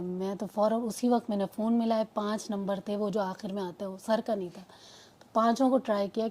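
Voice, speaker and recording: A woman's voice: medium pitch, mellow. A woman, a mother of two, giving an earnest personal testimony that rambles and restarts. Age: adult mother. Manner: earnest, rambling storytelling with many restarts and quoted dialogue.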